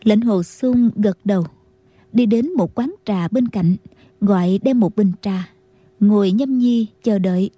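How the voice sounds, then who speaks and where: A woman narrating a martial-arts novel as an audiobook, in a steady storytelling manner. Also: mid-range voice, a little slow, no echo.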